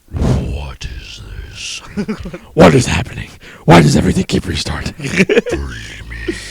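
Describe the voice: A man's put-on character voice, very deep and low, at a fairly slow pace with long, frequent pauses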